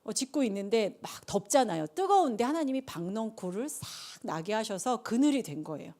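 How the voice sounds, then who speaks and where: A middle-aged woman preacher giving a conversational sermon, telling the story with lively asides. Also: on the high side, a little fast.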